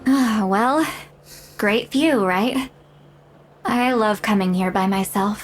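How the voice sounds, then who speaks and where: A woman voices a centuries-old tribal granny in a video game, a proud but easily embarrassed character who talks in a flustered, self-deprecating, candid way. Her natural, medium-pitched voice moves at a slow pace over music.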